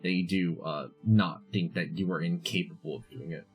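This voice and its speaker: A man's voice: sits low, normal speed, slightly rough, soft background music. A man running a tabletop game as game master, narrating and explaining in a hesitant way.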